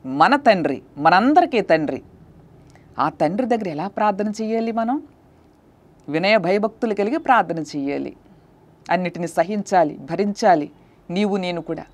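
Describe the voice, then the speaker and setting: A woman's voice: fairly low pitch, lively intonation, moderate pace, long pauses, a little mellow. Fervent woman preacher pleading. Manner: fervent, emotional pleading with repeated hallelujahs; speaks directly to the congregation with rhetorical questions. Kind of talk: sermon.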